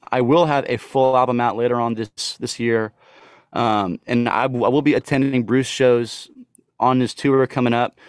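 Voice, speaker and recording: An unremarkable speaking voice comes through with an American accent, a moderate pace and fairly even intonation. The sound is dry and close, with no echo. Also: man, medium pitch for a man. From Houston, Texas. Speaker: singer-songwriter. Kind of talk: interview.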